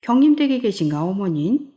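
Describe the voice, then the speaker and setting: A woman's voice: mid-range voice, very animated, normal speed, dark tone, natural voice. A woman voicing a pushy, commanding middle-aged male friend in an audiobook reading. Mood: bossy. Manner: commanding, needling.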